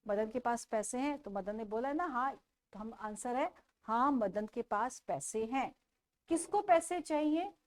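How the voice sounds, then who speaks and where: A woman teaching a children's textbook lesson, repeating each question and answer slowly for young pupils. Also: fairly high pitch, expressive.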